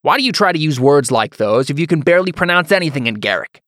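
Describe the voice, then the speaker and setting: A man voicing a belligerent, hotheaded young laborer in a fantasy audiobook, mocking and blustering in rough colloquial speech. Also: a little high, lively intonation, fast, a bit bright, no room sound, clean studio sound, voice pushed up. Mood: sneering.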